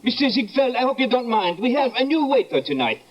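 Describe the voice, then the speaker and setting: A man playing a fawning, excitable head waiter in a 1970s TV variety sketch. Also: fairly quick, full character voice. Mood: apologetic. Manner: gushing, high-pitched, flattering. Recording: dull noisy old TV audio.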